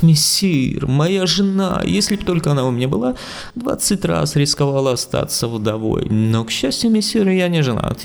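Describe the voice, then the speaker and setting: A man voicing a boastful, roguish talking black cat in an audiobook, with a high, squeaky, wheedling theatrical whine. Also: vocal fry. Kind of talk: audiobook character voice.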